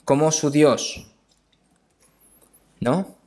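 A man preaches a sermon and reads from scripture, his speech halting, with phrases repeated and short questioning tags tacked on often. His voice sits fairly high and has a dark tone.

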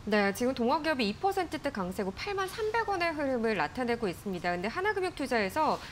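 A woman's voice: high-pitched, sing-song, fast, a little hiss or hum. A woman in her thirties presenting a studio stock show, summarizing politely and energetically. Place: TV studio desk. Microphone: lapel mic.

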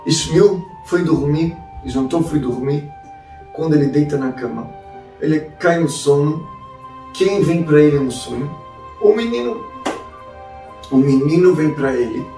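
A man's voice: a little high, measured pace, long pauses, warm tone. A man with a Brazilian Portuguese accent, a rabbi telling a story dramatically with rhetorical questions. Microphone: distant mic. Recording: roomy, distant mic, faint music.

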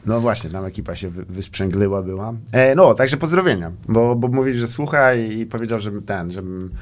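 A man's voice: fairly low pitch, expressive, fairly quick. Young man rambling through a crude story. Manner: rambling storytelling with crude jokes and English phrases. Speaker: podcast host. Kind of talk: casual comedic chat.

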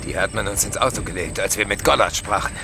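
A man's voice: on the low side, fast talker, creaky. A male actor playing a grim, terse demon hunter set on revenge in a German horror radio drama. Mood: grave. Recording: loud car and street noise behind.

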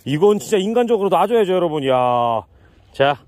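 A man records himself wading through sea water on a night mudflat. His voice sits high and moves all over the place. Loud excited bursts break up his calm, low asides about what he finds. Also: normal speed, no room sound. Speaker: night mudflat foraging vlogger. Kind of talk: excited outdoor narration.

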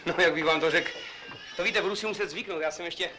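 Guy doing a cheeky young joker in an old movie, high voice, hissy soundtrack. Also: lightly acted. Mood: joking. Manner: breezy, joking, evasive. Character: cheeky young male driver, joker and fibber. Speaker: driver playing a young man in a film comedy. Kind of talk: 1960s film dialogue. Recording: old film soundtrack with hiss.

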